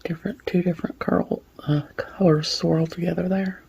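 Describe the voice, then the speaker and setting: A woman, hoarse from a cold, showing and describing beads in a casual unboxing vlog. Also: on the low side, fairly even intonation, fairly quick, lo-fi sound. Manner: soft-spoken, drops to whispers at times. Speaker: bead unboxing vlogger. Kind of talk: casual show-and-tell unboxing.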